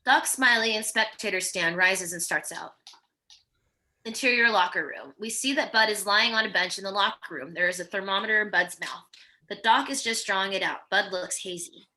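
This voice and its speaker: Bright-voiced woman reading screenplay directions. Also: mid-range voice, normal speed. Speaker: narrator reading stage directions. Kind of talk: scripted screenplay narration.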